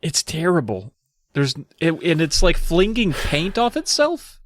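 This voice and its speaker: A man's voice: on the high side, wildly swooping pitch, measured pace, no echo. A man co-hosting a podcast, chatting casually in a musing, hesitant way with dry humor. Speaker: podcast co-host. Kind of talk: casual chat, critiquing book covers.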